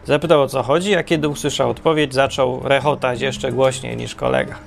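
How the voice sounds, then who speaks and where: A man narrating a parable in a wry, deadpan storytelling manner. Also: mid-range voice, fairly quick, gravelly, slight background noise. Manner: wry, deadpan humor with self-corrections.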